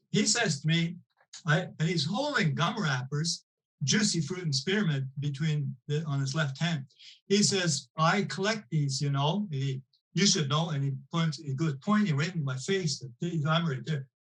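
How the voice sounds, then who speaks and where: In a western Canadian accent, a man with a fairly high pitch speaks at a fairly slow pace and ordinary pitch variation. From Canadian prairies, Saskatchewan. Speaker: author and spiritual seer. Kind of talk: interview storytelling. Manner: halting, many restarts.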